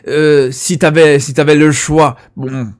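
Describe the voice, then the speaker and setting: A young man hosting a casual live stream, chatting with a guest and reading out viewer questions, often trailing off into a quiet murmur. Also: on the high side, steady tone, slow pace. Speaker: streamer host.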